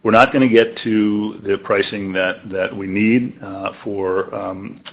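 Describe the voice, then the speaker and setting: Low, halting executive man on phone. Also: fairly even intonation. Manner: halting, deliberate, frequent hesitations mid-phrase. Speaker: company executive answering analyst questions. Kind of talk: unscripted business Q&A. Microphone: telephone conference line. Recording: narrow tinny phone-line conference call.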